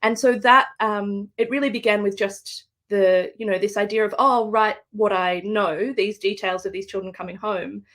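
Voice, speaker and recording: A woman's voice: medium pitch, steady tone, moderate pace, few pauses, a bit bright. Australian woman musing in a book interview. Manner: thoughtful, meandering with fillers and restarts. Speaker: guest author. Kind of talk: live video-call book interview. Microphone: video call.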